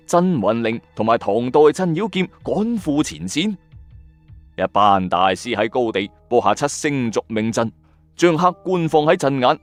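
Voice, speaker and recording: Animated Hong Kong Cantonese male storyteller, music underneath. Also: medium pitch, dry recording. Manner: colloquial and emphatic, addressing listeners directly. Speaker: host of a late-night ghost story radio channel. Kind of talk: dramatic storytelling narration with commentary. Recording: dry voice-over with music underneath. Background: background music.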